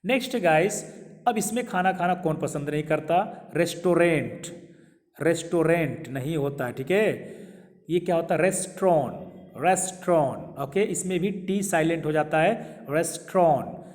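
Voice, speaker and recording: A man's voice: on the high side, animated. Man teaching pronunciation, echoing hall. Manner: repeats words slowly, asks viewers questions. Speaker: English teacher. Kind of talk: pronunciation lesson to camera. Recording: long hall reverb.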